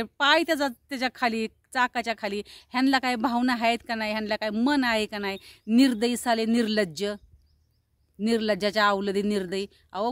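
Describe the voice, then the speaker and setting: A woman's voice: on the high side, no room sound. Indignant woman retelling a fight. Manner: indignant, rapid retelling with quoted dialogue. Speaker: vlogger. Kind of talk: angry storytelling vlog.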